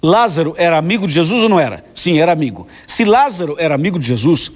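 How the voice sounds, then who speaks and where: A man's voice: expressive, fast talker. A man, a pastor giving a conversational sermon full of rhetorical questions and acted-out quotes. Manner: acts out quoted voices with sudden high pitch jumps.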